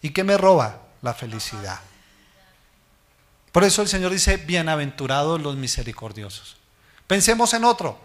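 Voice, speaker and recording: A man preaching a sermon as pastor, asking the congregation questions and answering them himself, and letting his voice fall low and soft at the ends of phrases. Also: big pitch swings, moderate pace, pauses often. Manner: speaks directly to the listener as "hermano".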